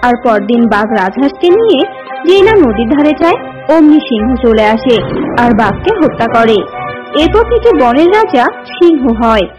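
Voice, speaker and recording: A woman's voice: a little high, very animated, moderate pace, over music, poor audio. A woman narrator reading a scripted children's animal story.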